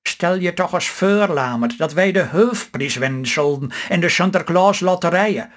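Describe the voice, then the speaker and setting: A man's voice: high voice, lively intonation, normal speed, fairly bright tone. A man with a Stellingwerfs accent voicing a talkative, hopeful older farm wife in a read-aloud story. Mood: eager. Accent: Stellingwerfs Low Saxon.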